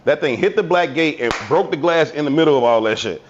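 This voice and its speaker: A man co-hosting a podcast, telling a profane, animated story from his youth with voiced quotes in casual chat. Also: a little high, fast, highs cut off, slight background noise. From Chicago South Side. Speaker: podcast co-host.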